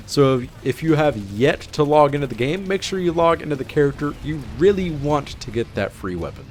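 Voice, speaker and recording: Man narrating game updates over music. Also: mid-range voice. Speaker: gaming video host. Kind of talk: scripted patch-notes narration.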